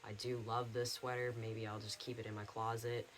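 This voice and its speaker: A man's voice: fairly low pitch, flat delivery, moderate pace, fairly bright tone, a little hiss or hum. A young trans man chatting casually to camera from home, rambling with lots of fillers. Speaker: vlogger. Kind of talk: casual video diary.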